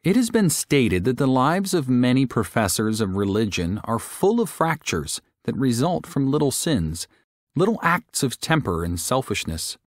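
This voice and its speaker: A man reading a Christian audiobook in a measured, earnest, clearly articulated way, as scripted narration. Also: mid-range voice, no echo, studio quality.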